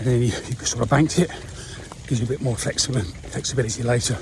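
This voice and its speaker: Noticeable background noise behind a man at a fairly quick pace and medium pitch. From England. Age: 60s. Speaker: travel vlogger and runner. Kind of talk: vlog narration while running a marathon. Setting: outdoors during a marathon. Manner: casual, halting.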